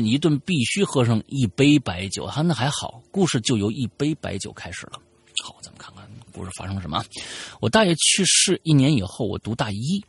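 A man's voice: medium pitch, husky, no room sound. A man hosting a show, casually retelling a listener's ghost story with chatty asides and fillers. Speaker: host reading a listener's story.

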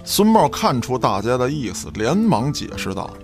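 A man narrates a scripted radio play. His voice is mid-pitched with very lively intonation, delivered as dramatic storytelling. Music runs faintly underneath. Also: moderate pace.

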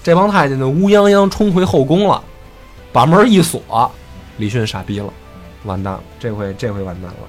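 A man's voice: mid-range voice, expressive, fairly quick, faint music behind. Slangy Beijing man telling history. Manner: swearing, slangy, acts out dialogue. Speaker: podcast host. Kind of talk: casual history storytelling.

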